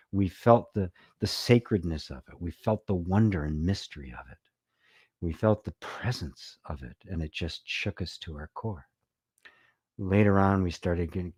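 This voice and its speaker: A middle-aged man, a spiritual teacher, giving an unhurried, reflective talk and answering viewers' comments. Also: low voice, a little mellow, no echo. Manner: unhurried, reflective, often ending with "right?"; reads viewer comments aloud. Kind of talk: live-streamed satsang talk.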